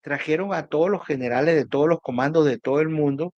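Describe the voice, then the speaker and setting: Male political analyst, Venezuelan Caribbean accent, fairly high pitch, emphatic repetition, dry sound. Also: fast talker, no echo, muffled recording. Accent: Venezuelan Spanish. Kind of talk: animated political discussion, conversational.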